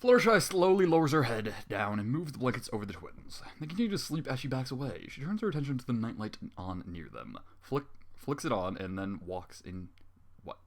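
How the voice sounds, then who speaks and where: In a mid-range, sing-song voice and a slightly quick tempo, a man reads a fan story aloud. As a fanfiction reader, he breaks off repeatedly to swear and react with comic exasperation.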